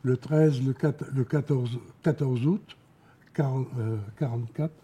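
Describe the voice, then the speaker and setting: An elderly man from Alsace recounting memories as an eyewitness, halting, repeating words and pausing between short phrases. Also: mid-range voice, steady tone, dark tone, husky. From Alsace, France. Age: elderly, around 90. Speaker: war veteran giving eyewitness testimony. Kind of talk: spoken testimony, recounting memories.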